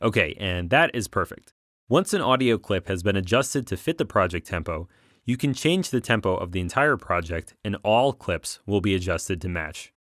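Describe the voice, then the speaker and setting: A man with a fairly low voice delivers scripted tutorial narration. He explains each step clearly, like an instructor guiding a learner through software. The recording is close and very dry, with no room sound. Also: lively intonation, moderate pace, dry recording, faint music behind.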